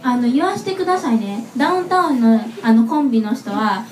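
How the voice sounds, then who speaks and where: A teenage girl with an Osaka accent, a guest talent talking in a brisk, cheeky way on stage. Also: on the high side, expressive, a little mellow. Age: teens. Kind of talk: casual stage chat. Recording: echoey live venue, distant mic.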